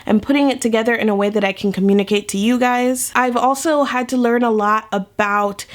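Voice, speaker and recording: Candid young woman, slightly high voice. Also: steady tone, a little fast. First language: Spanish. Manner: thoughtful, candid, rambling with asides. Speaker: book reviewer vlogger. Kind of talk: reflective talking-head vlog.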